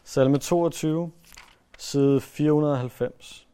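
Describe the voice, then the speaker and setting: A man preaching a sermon in an earnest way, pressing his points hard and then letting his voice fall soft. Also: on the high side, steady tone, clean tone. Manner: earnest, rises to emphatic then drops to soft.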